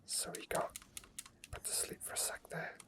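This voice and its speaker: A person whispering soft, breathy ASMR commentary over video gameplay, explaining each step as it is done. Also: normal speed. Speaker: video game streamer.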